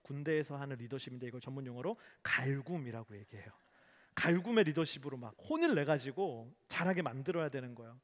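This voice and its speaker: A man in his forties, a pastor giving a sermon, telling stories with humorous acted quotes. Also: a little high. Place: church hall.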